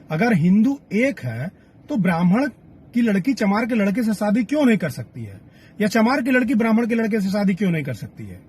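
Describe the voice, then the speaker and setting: A man's voice: high voice, darkish tone, breathy edge. A man delivering spoken news commentary, argumentative and fond of rhetorical questions. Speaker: reporter and commentator.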